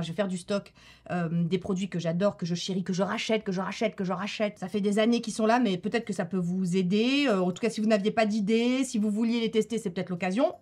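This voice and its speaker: A woman, chatting casually to camera about her favourite beauty products and laughing often. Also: medium pitch. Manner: chatty, laughs often, repeats herself for effect. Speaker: beauty YouTuber.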